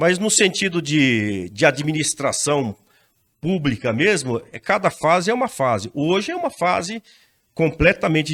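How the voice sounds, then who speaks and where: This man has a high-pitched voice with lively intonation. The recording is very clean, with a silent background. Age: 60s. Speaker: mayor and physician. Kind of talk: interview. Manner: halting, with false starts.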